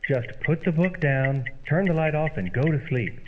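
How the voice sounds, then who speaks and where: A man's voice: a little high, moderate pace, lightly acted. A man playing an exasperated, long-suffering straight-man friend in old-time radio comedy, irritable and sarcastic. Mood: fed up. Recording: noisy, muffled old-time radio sound.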